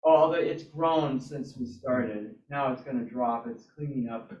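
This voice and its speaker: A man giving a casual live demo at a club meetup, halting and thinking aloud as he goes. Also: medium pitch, darkish tone. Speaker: presenter at a robotics club meetup. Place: indoor hybrid club meeting, away from mic. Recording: roomy, distant, dull meeting-room sound.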